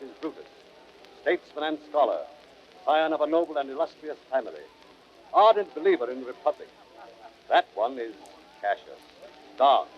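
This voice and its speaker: A man's voice: medium pitch, natural voice. A man acting as the grand narrator of a radio Roman tragedy, declaiming formally and portentously in 1930s style. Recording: dull, band-limited vintage radio recording.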